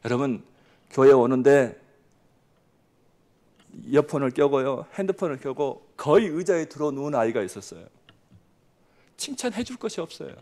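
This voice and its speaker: A man in his forties from Jeolla, preaching a sermon as pastor with lively storytelling that swings between loud and hushed. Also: mid-range voice, moderate pace, pauses often. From Jeolla, South Korea.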